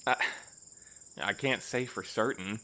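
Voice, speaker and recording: An actor playing a timid, fussy courier with formal, fretful diction in an audio drama. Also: male voice, fairly low pitch, takes it slowly, bright, forceful tone. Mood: subdued, worried. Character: nervous, fussy, bookish man, a timid courier.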